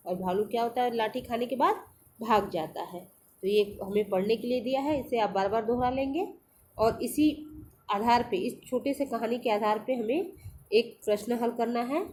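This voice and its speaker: A woman's voice: on the high side, a little mellow, a little hiss or hum. A woman teacher leads a reading lesson for young children. She sounds out each syllable and then says the whole word.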